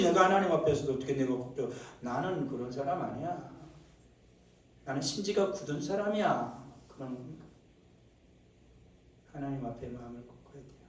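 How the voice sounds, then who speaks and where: A male pastor preaching a Sunday sermon, swinging from low murmurs to loud, shouted exclamations and asking the congregation rhetorical questions. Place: church sanctuary. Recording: very echoey church hall, mic at a distance.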